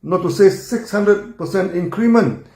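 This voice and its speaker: A man's voice: sits high, lively intonation, unhurried, a little mellow. A man from Malaysia, a company founder telling his business story in an earnest way, with frequent tag questions and asides. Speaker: company founder recounting history. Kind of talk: first-person business storytelling. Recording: roomy echo.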